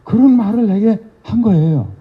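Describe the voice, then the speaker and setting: An older man, a pastor, preaching a lively revival sermon and teasingly quizzing members of his congregation. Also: sits high, moderate pace, narrow, tinny audio. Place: church sanctuary.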